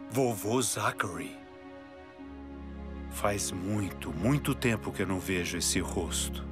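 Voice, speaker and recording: A man voicing a stern, steady older police chief and father in a dubbed cartoon, firm and measured. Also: low voice, over music. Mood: wistful. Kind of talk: animated cartoon dub.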